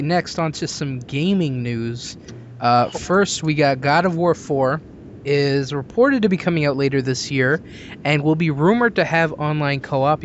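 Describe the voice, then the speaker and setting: A man hosting a podcast in a casual, chatty style. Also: a little high. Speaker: podcast host. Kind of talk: casual chat. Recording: dull lo-fi voice chat, noisy.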